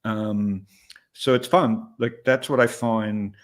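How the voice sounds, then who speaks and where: Slow and on the low side, with fairly even intonation, a man in his late fifties gives a casual interview as a guest. He is a startup investor whose candid answers ramble, and he checks in with "right?" again and again.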